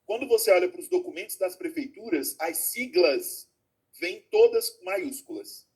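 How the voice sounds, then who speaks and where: A man's voice: sits high, expressive, unhurried, darkish tone, breathy edge. A man teaching an online class, explaining step by step, checking in with students often and calling them affectionate names. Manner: explains with frequent check-in questions; affectionate, calls students "my loves". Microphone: video call.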